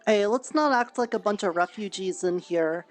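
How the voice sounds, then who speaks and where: A woman's voice: medium pitch, moderate pace, faint music behind. A woman streamer roleplaying in character, motherly and practical as she hands out food and advice.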